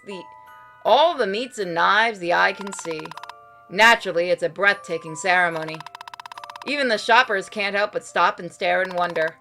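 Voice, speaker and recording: A woman reading game text aloud and reacting casually, with a playful, expressive manner. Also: medium pitch. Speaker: game streamer.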